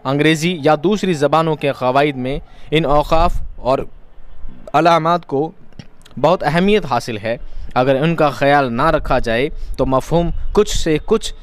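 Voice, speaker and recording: A man with a clear, resonant, fairly high-pitched voice teaches an exam-prep lesson. He explains each point by restating it in other words and asking rhetorical questions.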